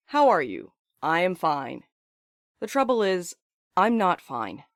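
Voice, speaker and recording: In an audio drama of dialogue and monologue, a woman with a low-leaning voice plays a wry, articulate character, speaking in a dry, measured manner. Her roles are a blunt, wry postal worker and a reflective ghostwriter of letters. The recording is dry.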